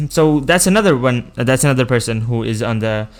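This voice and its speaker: A man's voice: medium pitch, expressive, brisk. A man hosting a casual podcast chat over a call, talking in a chatty, hesitant way and laughing often. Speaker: podcast host.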